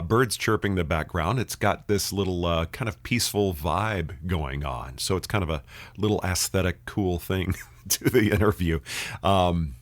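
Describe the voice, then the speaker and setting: A man's voice: sits low, fairly bright tone. A man from Dallas hosting a podcast, chatting casually and joking with his guest, with lots of restarts. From Dallas, Texas. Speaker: podcast host. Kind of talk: casual interview chat.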